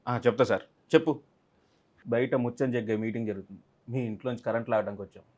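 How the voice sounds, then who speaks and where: A man's voice: mid-range voice, fairly even intonation, fast talker, a little mellow. A man, an actor being interviewed, telling a film-set story animatedly and acting out other people's lines. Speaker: actor guest.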